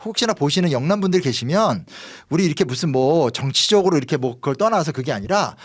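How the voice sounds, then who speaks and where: A man's voice: on the high side, slightly rough. A man from Seoul, a history commentator explaining politics in a lecturing way, full of fillers. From Seoul, South Korea. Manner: fast, lively lecturing with frequent fillers.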